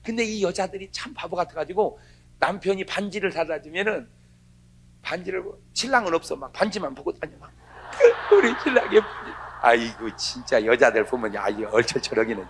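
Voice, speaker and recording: A middle-aged male pastor giving a humorous revival sermon, telling stories with lively acted-out voices and a husky tone. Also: a little high, brisk, noisy background. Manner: animated storytelling, acts out quoted voices with dialect.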